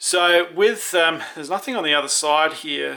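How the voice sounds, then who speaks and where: A man's bright, sharp tone with an Australian accent. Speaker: watch repairer. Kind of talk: tutorial. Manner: casual, with fillers.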